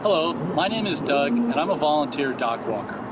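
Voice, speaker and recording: A man with a fairly high voice reads a short volunteer testimonial in a plain, steady way. He was recorded outdoors, and loud traffic and street noise sit under his voice the whole time. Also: moderate pace. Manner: plain, steady reading of a prepared statement. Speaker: volunteer dock walker.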